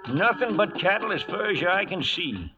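In a 1940s radio western, an actor plays a crusty, loyal old cowhand, speaking in a folksy American Western drawl with mumbling, toothless delivery. The older male voice is high-pitched with big pitch swings at normal speed, folksy, rustic, and cantankerous as he reminisces. The vintage radio recording sounds dull, with faint music.

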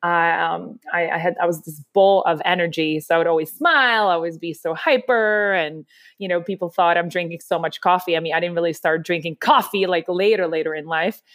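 A woman's voice: on the low side, steady tone, brisk, a bit bright, no room sound, clean studio sound. A woman, telling her story as a podcast guest in an enthusiastic, rambling way. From Czech Republic. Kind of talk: casual interview chat.

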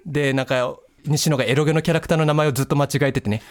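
A man's voice: on the high side, fairly even intonation, racing. A man on a comedy podcast, telling a long teasing anecdote about his partner in a rambling, casual way. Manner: teasing, rambling anecdote told with many "さ" tags. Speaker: comedy duo member, podcast co-host.

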